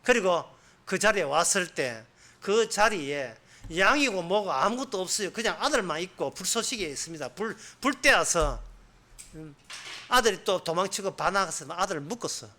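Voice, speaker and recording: Animated, bright-voiced Gyeongsang preacher. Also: male voice, high voice, moderate pace. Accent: Gyeongsang Korean. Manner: colloquial, rhetorical questions. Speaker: pastor. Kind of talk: sermon.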